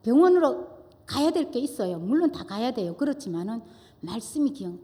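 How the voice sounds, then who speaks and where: Woman preacher, mellow voice, long church reverb. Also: fairly high pitch, big pitch swings, a little fast. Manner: emotional storytelling, swings from hushed to loud. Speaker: guest preacher. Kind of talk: testimony sermon. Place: church sanctuary. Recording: echoey church hall.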